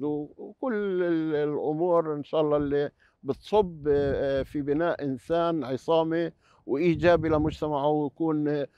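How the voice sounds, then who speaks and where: Middle-aged man, smooth resonant voice, measured with fillers, outdoors, dry and dull recording. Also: fairly high pitch, a little mellow, no room sound. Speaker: mosque community representative. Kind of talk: interview answers. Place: outdoors beside a mosque.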